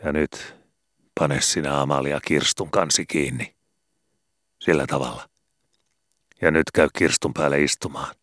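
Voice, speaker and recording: A man voicing a gruff, domineering old dying father who barks commands and mocks his family, in an audiobook reading. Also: extremely low pitch, fairly even intonation, long pauses, fairly bright tone, dry recording, studio quality. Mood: sarcastic. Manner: barking, commanding, sarcastic. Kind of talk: audiobook character voice.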